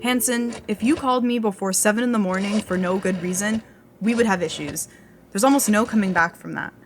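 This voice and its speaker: A woman's voice: medium pitch, brisk, slight background noise, lightly acted. An actress playing a skeptical, wry woman investigator in a naturalistic audio drama, dry and conversational. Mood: restless, wry. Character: skeptical, wry female investigator of eerie mysteries.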